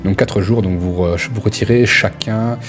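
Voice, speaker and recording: A man's voice: lowish voice, fairly even intonation, normal speed. A man acting as game master, casually running a tabletop role-playing session and talking players through it. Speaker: game master and channel host. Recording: music behind. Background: music.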